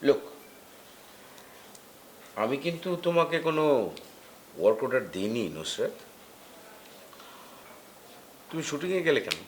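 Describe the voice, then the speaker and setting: An actor playing a stern corporate boss who speaks in a measured way, slipping into English. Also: male voice, a little high, very animated, a little hiss or hum. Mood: cold. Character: stern male corporate boss, cold and cutting. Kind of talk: TV drama acting.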